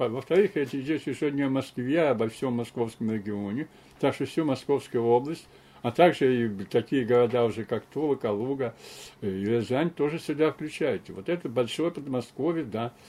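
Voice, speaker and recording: A man's medium-pitched voice with a dark, mellow tone, ordinary pitch variation and a moderate pace, in a very clean recording with a silent background. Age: 80s+. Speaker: geographer. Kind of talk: interview.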